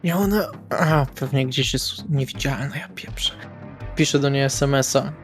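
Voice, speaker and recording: A man's voice: medium pitch, normal speed, soft background music. A man playing a tabletop roleplay, casually describing his moves and thinking aloud.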